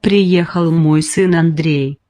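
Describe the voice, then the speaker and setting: A woman in her nineties, speaking slowly in short simple sentences while giving personal testimony as an interviewee. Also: low-pitched, steady tone, warm tone. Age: 90s. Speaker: patient interviewee.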